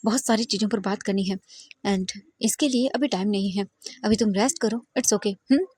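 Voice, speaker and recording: A woman doing a soft-spoken, wounded young man. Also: mid-range voice, breathy edge, no echo, clean studio sound, lightly acted. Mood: soothing. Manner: soft, slow, hushed reassurance. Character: injured gentle young man, calm and soothing.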